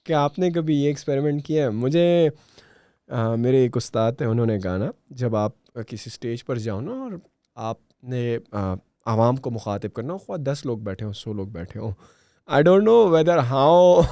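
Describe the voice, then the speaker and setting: A Pakistani podcast host who chats easily and tells stories, with a mellow, smooth voice pitched a bit high for a man. The recording is close and dry. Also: animated, measured pace, no room sound. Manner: chatty, laughs easily, mixes English phrases into Urdu. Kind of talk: casual podcast conversation.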